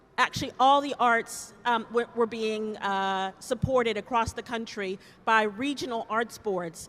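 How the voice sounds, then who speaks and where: This woman has an unremarkable speaking voice, fairly high in pitch with ordinary pitch variation, and she talks at a fairly slow pace. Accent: American. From US, Washington DC. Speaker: arts executive. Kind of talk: conference presentation.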